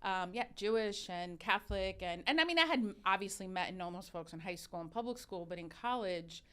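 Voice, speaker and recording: A woman's voice: mid-range voice, brisk, clear, resonant tone. A woman in her fifties, a religious educator and consultant, telling candid stories in a casual interview, with many restarts; her first language is Arabic. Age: 50s. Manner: candid, animated storyteller with frequent restarts.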